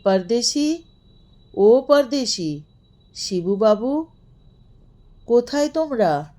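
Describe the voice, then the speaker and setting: A woman's voice: a little high, big pitch swings, drawn-out words, warm tone, pitched above the performer's own voice, heavily acted. A woman storyteller voicing an earnest schoolboy who speaks in exclamations. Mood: desperate calling. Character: schoolboy narrator, eager, earnest and distressed.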